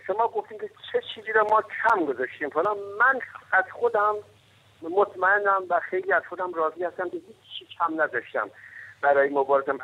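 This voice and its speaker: A man's voice: sits high, slight background noise. An Iranian man calling in to a political talk show, speaking heatedly and insistently, pressing his point over a phone line. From Iran. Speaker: caller.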